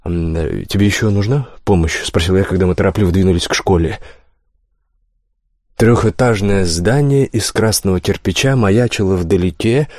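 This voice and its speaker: A man reads a first-person novel aloud in a calm, steady way, slipping in wry asides. His voice sits low, and the recording is dry and close, with no room sound. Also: no room sound. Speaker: audiobook narrator.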